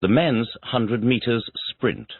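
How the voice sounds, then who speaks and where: A man's voice: mid-range voice, takes it slowly, breathy edge, no echo. A man taking an English lesson, answering each question by repeating it back in complete sentences. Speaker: English student. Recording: tinny phone-like dry audio.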